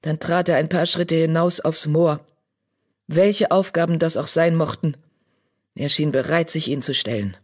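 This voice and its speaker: A narrator reading a children's animal story aloud in an even storytelling manner. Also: medium pitch, normal speed. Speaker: audiobook narrator. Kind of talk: scripted narration.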